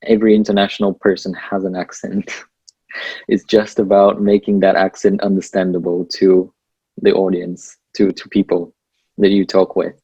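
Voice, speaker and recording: Speaking English as a second language with a Bulgarian accent, this young PhD student gives sincere advice as an interview guest, relaxed and chuckling between points. The recording is dry and dull, carrying his low, husky voice at a moderate pace.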